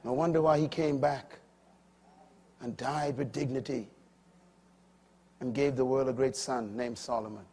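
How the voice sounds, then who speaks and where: An older man preaching a sermon, swinging from loud emphatic peaks to quiet low asides. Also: fairly even intonation, measured pace, long pauses, slightly rough.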